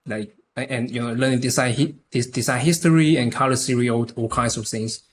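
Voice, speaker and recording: A young man from Taiwan, a native Chinese speaker with a Taiwanese accent, chatting haltingly as a podcast guest with many restarts. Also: mid-range voice, fairly even intonation, slight background noise. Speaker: podcast guest, concept artist. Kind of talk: casual interview chat.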